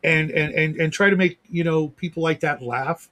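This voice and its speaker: A man's voice: fairly high pitch, moderate pace, bright, forceful tone. A man co-hosting a casual livestream chat, rambling and swearing with lots of restarts. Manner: rambling, profane, with frequent restarts. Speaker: co-host.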